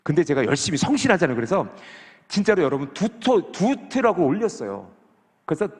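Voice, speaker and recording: Animated pastor preaching in a reverberant church. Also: male voice, mid-range voice, vocal fry. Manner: animated, asks the congregation questions, acts out complaints. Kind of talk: sermon. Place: church sanctuary. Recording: long reverb of a church hall.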